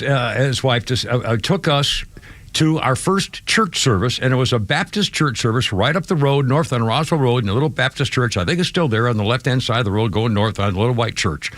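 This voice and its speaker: A man's voice: medium pitch, fairly bright tone, no echo. A man in his seventies from New England, hosting a talk radio show and telling a long story in a rambling, exclamatory way, breaking off and restarting often. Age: 70s. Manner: rambling, self-interrupting, exclamatory. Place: radio studio. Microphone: studio microphone.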